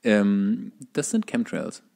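A man's voice: on the low side, animated, slow pace, creaky, dark tone. A man co-hosting a podcast in casual comedic chat, with a sarcastic, coarse, ranting way of talking. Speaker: podcast co-host.

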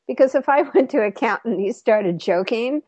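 A woman comedy coach and author, joking her way through an interview and slipping into quick comic voices. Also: a little high, animated, a little mellow, breathy edge, dry recording, muffled recording. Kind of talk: animated interview guest.

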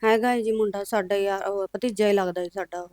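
A woman's voice: medium pitch, steady tone, fast talker, darkish tone, no room sound. A woman answering a reporter's questions about her family, plain and polite. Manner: plain, polite, frequent respectful particles. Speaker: interviewee, younger sister-in-law. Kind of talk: news interview testimony.

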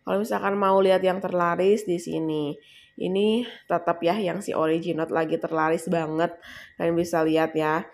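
A woman's voice: lowish voice, fairly even intonation, normal speed, a little mellow. A young woman casually walking viewers through trending online shop products, chatty and addressing them as guys. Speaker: affiliate marketing vlogger. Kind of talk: casual screen-recording walkthrough.

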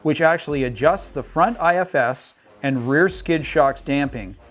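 A man's voice: fairly high pitch, unhurried. A man in his sixties hosting a show, reading a scripted product rundown with upbeat enthusiasm. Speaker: show host. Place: indoor studio set.

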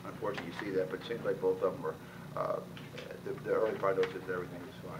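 A man in his sixties, a head football coach, answering at a post-game press conference, talking quickly with many restarts and repeated words. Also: low voice, steady tone. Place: press room with sponsor backdrop. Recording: distant mic, noisy press room.

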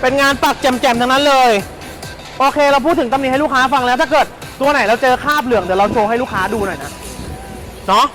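A live-stream seller giving a fast, hyped sales pitch for second-hand clothing, chatty and persuasive, repeating phrases for emphasis. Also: fairly bright tone, soft background music, rough recording.

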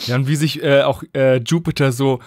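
A man's voice: mid-range voice, steady tone, moderate pace, a little mellow, dry recording, clean studio sound. A man talking casually as one of the hosts of a podcast. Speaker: podcast host.

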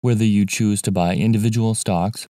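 A man reading a scripted explainer voice-over in an even, measured way. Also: lowish voice, dry recording, clean studio sound. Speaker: narrator of an investing explainer.

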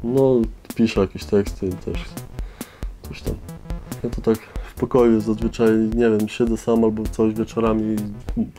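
A man's voice: lowish voice, fairly even intonation, normal speed, warm tone, low-quality recording. A young man talking casually in an interview, in colloquial, slangy speech. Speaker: youth centre resident and amateur rapper. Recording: music behind the voice.

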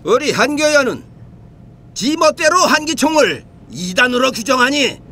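A man's voice: very high-pitched, very animated, moderate pace, bright, forceful tone, full character voice. An actor playing an indignant, quarrelsome male pastor in an audio drama, blustering and confrontational.

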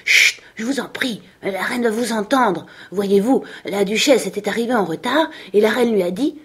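A woman's voice: a little high, lively intonation, measured pace, fairly bright tone, breathy edge, pitched above the performer's own voice, heavily acted. A woman voicing a timid, anxious male white rabbit who murmurs fearfully in a storybook reading. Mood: fearful whisper.

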